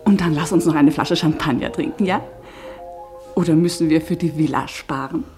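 Woman acting as wistful wife, low pitch, soft, intimate, pleading, radio drama. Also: normal speed, over music, natural voice. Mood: pleading, playful. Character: tender, wistful wife of an exiled doctor.

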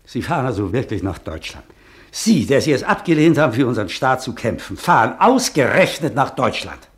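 A man's voice: medium pitch, sing-song, a little fast, close to an everyday voice. A man acting in a German radio play as a bitter, unforgiving exile, impassioned and declamatory in his accusations. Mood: accusing.

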